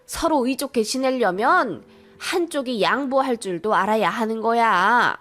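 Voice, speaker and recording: A woman's voice: on the high side, lively intonation, unhurried, a bit bright. Woman reading as a pushy scheming mother-in-law. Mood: lecturing. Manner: pushy, lecturing.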